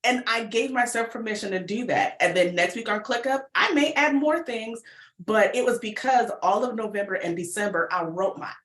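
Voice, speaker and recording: A woman's voice: a little high, moderate pace, fairly bright tone, roomy sound. An American woman speaking candidly and expressively as a guest in a casual interview, chatting about her creative work. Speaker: guest, audio fiction writer and producer.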